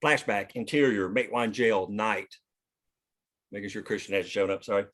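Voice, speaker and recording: A man's voice: lowish voice, moderate pace, a bit bright. A man reading scene headings and stage directions aloud as scripted narration at a table read.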